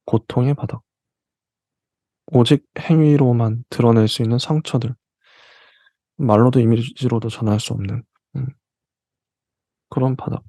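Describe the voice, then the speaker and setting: A man hosting a literature channel, reading passages from a novel aloud and explaining them in between with soft fillers. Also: mid-range voice, steady tone, no room sound. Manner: reads passages slowly, then comments with soft fillers.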